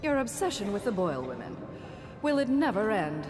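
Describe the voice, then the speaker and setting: A woman's voice: mid-range voice, very animated, a little fast, music in the background, lightly acted. A woman playing a prim, worried aristocratic party guest in a video game. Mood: placating, chiding. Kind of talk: video game character dialogue.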